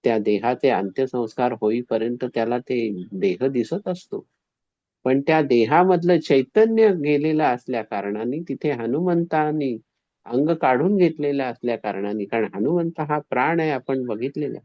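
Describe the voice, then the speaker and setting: A man telling a devotional story in an animated way, acting out the quoted voices. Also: mid-range voice, moderate pace, no echo. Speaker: spiritual storyteller. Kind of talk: devotional discourse. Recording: dull, dry, slightly lo-fi recording.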